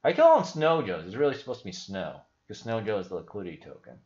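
A man's voice: on the low side, sing-song, fast, a little mellow. Rambling young man on a dull webcam mic. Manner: rambling, filler-heavy, thinking aloud. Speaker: crypto video host. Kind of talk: casual screen-share commentary. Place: indoor room.

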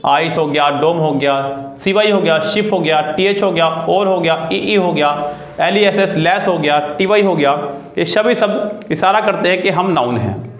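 Teaching grammar on video in a classroom style, this man speaks a little slowly in a voice pitched somewhat high for a man. He spells words out letter by letter, asks his students question after question, and the bare room gives the audio an echo.

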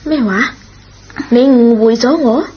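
A woman playing a forgiving, gently reproving schoolteacher in a Cantonese radio drama, with a husky, rough voice. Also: fairly high pitch, slow pace. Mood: taken aback. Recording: dull lo-fi old radio recording.

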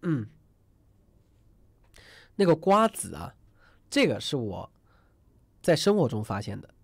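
Male vocal coach, mid-pitched with some fry, dry close sound; loose, chatty live-class lecturing. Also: sing-song, slow pace, no echo. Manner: chatty, asks students to type numbers in chat; rambling with many fillers and restarts. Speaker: online singing teacher.

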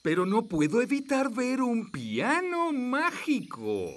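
A man's voice: very high voice, wildly swooping pitch, takes it slowly, over loud music, exaggerated voice. A man voicing a breezy, pushy garden gnome in a children's cartoon dub. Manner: breezy, presumptuous. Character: jovial, pushy, freeloading male garden gnome. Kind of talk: animated children's series dub.

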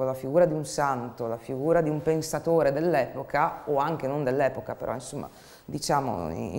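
A woman's voice: low voice, darkish tone. A woman in her thirties, a theatre artist, talking reflectively in an interview about her work. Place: dark indoor studio.

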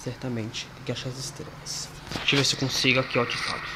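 A man's voice: medium pitch, quick pace, heavy background noise. A man casually commenting on a horror game as he plays, talking to viewers and a friend, yelping at scares. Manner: excitable, yelps at jump scares, talks to viewers and a friend. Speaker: gamer playing a horror game.

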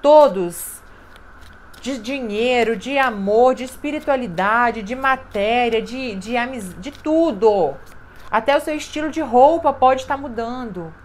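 A woman reads tarot cards for her viewers, her voice sitting slightly high. She talks emphatically, repeats herself and keeps asking "né?" and "sabe?". A faint hiss runs under her voice. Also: expressive, a little slow. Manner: emphatic, repetitive, with frequent "né?" and "sabe?". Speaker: tarot reader. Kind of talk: intuitive tarot card reading.

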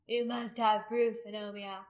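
A woman voicing a tribal mother figure in an audiobook, appealing earnestly and striving for calm. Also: medium pitch, a little slow, lightly acted. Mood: pleading. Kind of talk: dramatic audiobook character acting.

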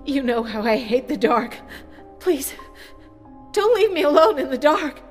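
A woman's voice: high voice, big pitch swings, unhurried, music in the background. An actress playing a frightened, pleading woman in an audio drama, speaking tearfully. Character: terrified, pleading woman haunted in the dark. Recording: long cavernous reverb.

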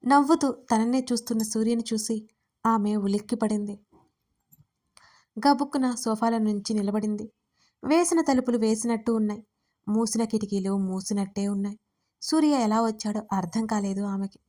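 A woman narrates her own storybook in a steady, even way. Her voice sits somewhat high. She reads the lines clearly as writer and narrator. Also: normal speed, pauses often.

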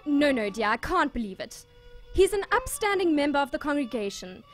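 A woman acts a motherly, devout nun in a radio play, her voice pitched high. She is soothing yet hesitant and anxious to shield her church, with music in the background. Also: sing-song, a little fast. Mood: disbelieving. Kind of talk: audio drama acting.

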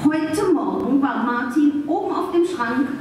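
A woman's voice: high voice, lively intonation, a little mellow. A woman voicing a self-important, easily exasperated male pug playing detective in a live comedy radio play. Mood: pompous. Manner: deliberate, pompous. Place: theatre stage. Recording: echoey stage, distant mic, clear noise.

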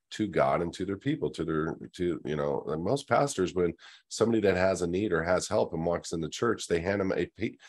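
A man's voice: deep voice, darkish tone. A middle-aged man speaking his opinions in a monologue on a video call, earnest, often restarting his words. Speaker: host. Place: indoors, virtual Q&A backdrop. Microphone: webcam video call.

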